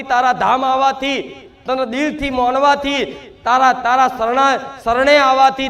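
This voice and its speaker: A man's voice: extremely high pitch, a bit bright. A man delivers a devotional sermon in the first person as the mother goddess. He preaches earnestly and keeps asking rhetorical questions.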